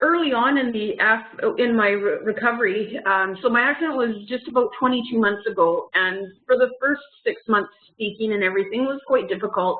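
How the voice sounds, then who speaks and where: With a Canadian accent, a woman talks at a moderate pace. Her fairly high pitch shows ordinary pitch variation. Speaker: songwriter and painter. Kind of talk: casual chat. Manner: halting.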